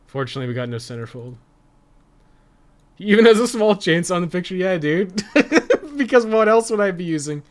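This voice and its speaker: A man's voice: high voice, animated, a little fast. A man chatting casually to his viewers as a game streamer, informal and freely swearing. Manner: informal, foul-mouthed. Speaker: video game live streamer. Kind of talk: casual livestream chat with viewers.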